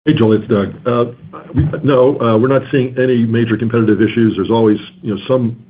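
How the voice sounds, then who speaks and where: A man answering questions off the cuff as a company executive, haltingly and with repeated words. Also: medium pitch, steady tone. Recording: narrow, phone-like call line.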